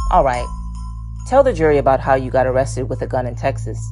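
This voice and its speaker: A man at a very fast pace, with music in the background. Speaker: voice narrator. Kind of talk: reading of court testimony transcript.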